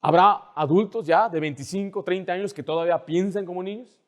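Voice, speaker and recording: A male pastor delivers a sermon in a church, with a notably high voice. He is animated and keeps firing questions at the congregation, often dropping into children's voices to make his point. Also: fairly quick. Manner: mimics children's voices in quotes.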